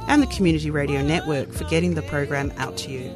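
A woman reading the show's scripted opening and closing announcements in a slow, even way. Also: low-pitched. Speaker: show announcer. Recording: voice over music bed.

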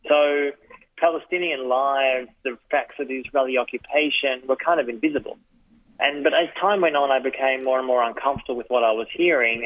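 A man's voice: medium pitch, no room sound. A man, giving thoughtful interview answers in short phrases as a journalist and author. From Australia. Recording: dry tinny phone-line sound.

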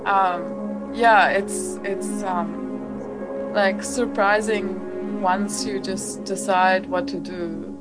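A woman's voice: mid-range voice, steady tone, drawn-out words, rough recording. A woman from Lebanon interviewing a musician in a casual chat, with many fillers and a chatty, friendly manner. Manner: chatty, with frequent fillers and laughs. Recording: music playing loudly behind.

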